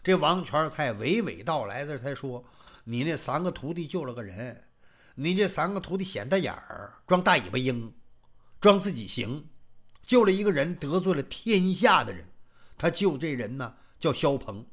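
A man telling a traditional martial arts story in a lively, conversational way, with frequent asides. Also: a little high, normal speed.

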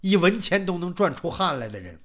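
A storyteller voicing a young widowed daughter-in-law who speaks gently and respectfully to her mother-in-law. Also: mid-range voice, sing-song, fairly quick. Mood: worried.

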